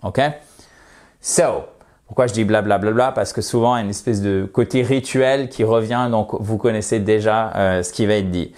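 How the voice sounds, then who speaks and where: A man teaching an online pronunciation lesson, patiently repeating example words slowly and checking in with his viewers. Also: fairly low pitch, darkish tone. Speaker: English teacher.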